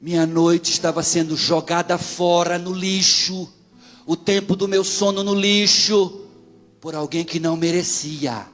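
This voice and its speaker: A Brazilian man preaching as a pastor, telling stories with animation and rising into shouts. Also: sits high, measured pace, soft background music. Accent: Brazilian Portuguese. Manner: animated storytelling, swings into shouting climaxes. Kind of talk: sermon.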